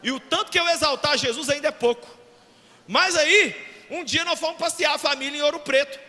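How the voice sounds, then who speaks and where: A Brazilian man preaching a fervent sermon as a pastor, shouting his points and telling family stories. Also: very high voice, a little fast. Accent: Brazilian Portuguese. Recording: long hall reverb.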